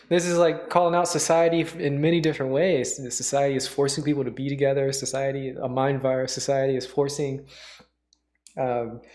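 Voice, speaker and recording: A male host talks casually in a medium-pitched voice, as if thinking aloud. His commentary is unscripted and halting, musing as it goes. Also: a little mellow. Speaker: host, livestreamer reacting to radio dramas.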